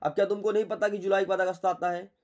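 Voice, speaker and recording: Man, teacher, higher-pitched voice, blunt, chatty exam walkthrough. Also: little pitch movement, quick pace. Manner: blunt, scolding and chatty with students. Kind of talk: exam paper walkthrough lesson.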